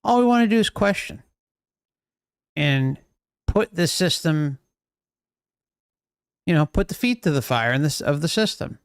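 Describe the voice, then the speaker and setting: Male online host, unhurried and clear, dry close sound, earnest casual commentary. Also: fairly high pitch, animated, no room sound. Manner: earnest, questioning, rhetorical.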